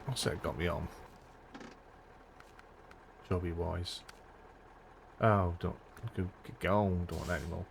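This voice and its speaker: A man's voice: deep voice, fairly even intonation, unhurried, creaky, pauses often, a little hiss or hum. A man, chatting casually through a video game and chuckling often, his voice a little strained. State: voice strained, close to losing it. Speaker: gameplay commentator. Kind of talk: casual let's-play commentary.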